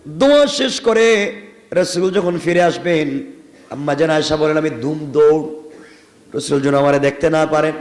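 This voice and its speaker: A male preacher, telling a story in a sermon, throwing rhetorical questions at the crowd and chanting Arabic phrases slowly. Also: fairly high pitch. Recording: echoey.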